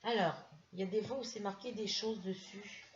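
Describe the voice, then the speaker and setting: A middle-aged woman from France talks through a haul at an easy, everyday pitch, stopping and restarting her sentences as she goes. The recording sounds dull and lo-fi, with a faint hiss underneath. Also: steady tone, normal speed. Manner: chatty, hesitant, many restarts. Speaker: craft vlogger. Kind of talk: casual haul video.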